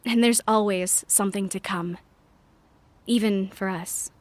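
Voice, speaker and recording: A woman playing a reflective, wry, warm-hearted young scavenger in a sci-fi audio drama, speaking a conversational monologue as if recording a message. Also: medium pitch, steady tone, measured pace, dry recording, close to an everyday voice.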